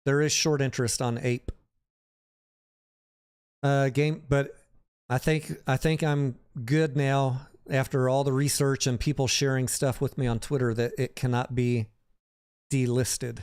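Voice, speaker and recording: A man's voice: medium pitch, little pitch movement, unhurried, a little mellow, smooth. A man hosting a livestream, talking casually about the stock market and answering viewers by name in a conversational way.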